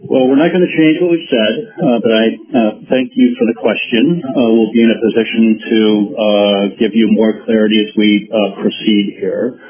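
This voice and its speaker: A man speaking as a company executive answering analyst questions on an earnings call, measured and guarded, with hesitant phrasing. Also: on the low side, fairly even intonation. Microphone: conference phone call. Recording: tinny narrowband phone line.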